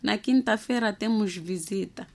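A woman from Mozambique talking with a radio host, quiet and agreeing, mostly in short replies. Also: mid-range voice, normal speed, creaky. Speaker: guest seeking help.

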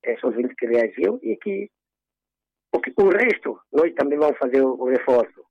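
A man from Mozambique phones in to a radio show, and his husky voice comes through dull and muffled. He talks earnestly and leans on religious phrasing. The sound is dry, with no room around it. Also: medium pitch, very animated, moderate pace, no echo. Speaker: radio caller.

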